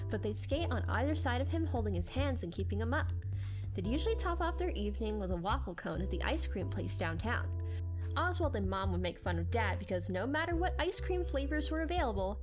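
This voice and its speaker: A woman narrating a story as a dramatic audiobook reading. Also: a little high.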